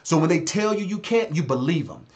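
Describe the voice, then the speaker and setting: A man's voice: on the high side, animated, brisk. Blunt, exhorting man in his thirties. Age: 30s. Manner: blunt, exhorting, repeats phrases for emphasis. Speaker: business consultant. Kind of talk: live-stream advice talk.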